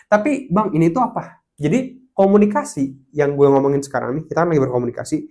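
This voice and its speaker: Young guy w a warm mellow voice, chatty advice talk, jumps way up when he quotes ppl. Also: fast talker. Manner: animated storytelling, acts out quoted lines with sharp pitch jumps. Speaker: host. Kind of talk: casual advice monologue.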